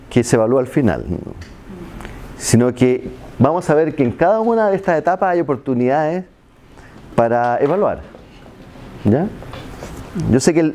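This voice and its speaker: A man's voice: medium pitch, mellow, slight background noise. A middle-aged man gives a conversational university lecture to a seated class, checking in often with the students and adding self-mocking asides. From Chile. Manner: conversational, asks "¿ya?" after nearly every point, self-deprecating asides. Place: seminar room with projector and seated students. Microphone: handheld microphone, filmed by far camera.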